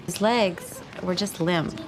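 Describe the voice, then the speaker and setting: A middle-aged mother recounting in an interview the day her son was hurt, speaking in a measured, earnest way. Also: fairly low pitch, crowd noise. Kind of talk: interview recollection. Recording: music bed under voice.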